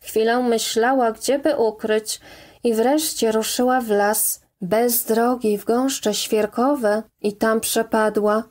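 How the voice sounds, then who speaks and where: A woman narrating an audiobook in a measured, calm reading. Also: a little high. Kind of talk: scripted narration.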